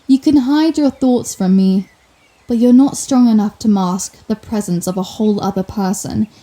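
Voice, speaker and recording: A woman's voice: medium pitch, moderate pace, mellow, close to an everyday voice. A woman playing a sardonic telepathic supervillain in an ASMR roleplay, theatrical and sarcastic, menacing with a hidden compassionate streak. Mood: taunting, menacing. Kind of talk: ASMR roleplay audio drama.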